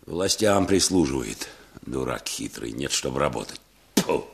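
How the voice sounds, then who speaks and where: An actor playing a stern, bitter old peasant father in a radio play, with a gruff, curt and grim manner. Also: rumbling low, expressive, measured pace, noisy background, full character voice. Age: older.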